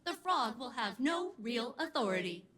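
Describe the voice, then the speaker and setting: A woman voicing a chipper, literal-minded female ship AI in a video game, with prim, precise phrasing and deadpan asides. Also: on the high side, normal speed, a crowd in the background. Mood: cheerful deadpan. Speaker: game character.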